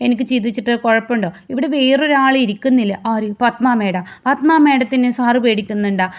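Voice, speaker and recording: A woman's voice: on the high side, brisk, close to an everyday voice. Woman playing Nandini, a defiant tipsy wife. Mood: defiant scolding. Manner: loud, scolding questions.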